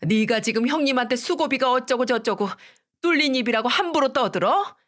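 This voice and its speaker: Sharp-tongued older mother-in-law, voiced by a woman narrator, raised and scolding; radio story. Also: a little high, lively intonation, moderate pace, voice pushed up.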